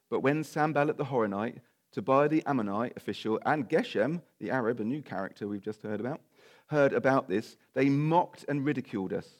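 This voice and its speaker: A man delivering a sermon, his voice croaky and slightly nasal from a week of coughing. He reads a long scripture passage at a middling pitch, breaking off now and then for casual, apologetic asides to the congregation. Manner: informal, apologetic asides while reading scripture. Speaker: preacher. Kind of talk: sermon with Bible reading.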